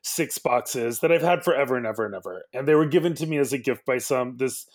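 A man's voice: medium pitch, fast. A man telling a personal story casually as a podcast guest.

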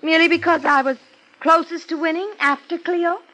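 A sharp, bright-toned woman as an ambitious contestant under suspicion. She is intense, defensive and dramatic, in the manner of fifties radio detective drama. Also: extremely high pitch, steady tone, a little fast, low-quality recording. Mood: defensive, indignant. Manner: dramatic, emotional. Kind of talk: 1950s radio drama acting.

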